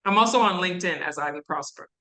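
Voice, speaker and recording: Woman from canada talking to a class, low-ish bright voice, chatty with lots of ums. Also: quick pace. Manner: conversational, with fillers and asides. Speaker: guest speaker. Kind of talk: answering student questions. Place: university classroom.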